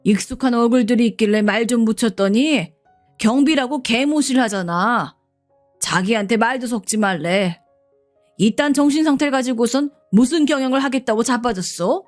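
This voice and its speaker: A woman voicing a blunt older male security guard who scolds roughly, over faint background music. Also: on the high side, moderate pace, close to an everyday voice. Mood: angry. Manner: gruff, scolding speech.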